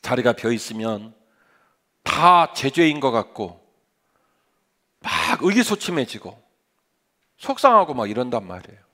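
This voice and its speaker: A middle-aged male pastor preaching a sermon in an animated, conversational way, full of rhetorical questions and humorous asides. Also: medium pitch, unhurried, pauses often.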